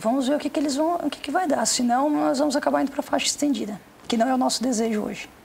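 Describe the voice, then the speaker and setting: Amid noticeable background noise, a woman speaks at a very fast pace in a high pitch with ordinary pitch variation. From southern Brazil, Santa Catarina. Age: 20s. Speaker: businesswoman, radio station owner. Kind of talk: talk show interview.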